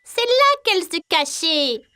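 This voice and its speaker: An actor voicing a curious, slightly timid four-year-old boy in a children's cartoon dub, with expressive, simple childlike delivery. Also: very high voice, unhurried, heavily acted. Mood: eager. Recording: children's music behind the voice.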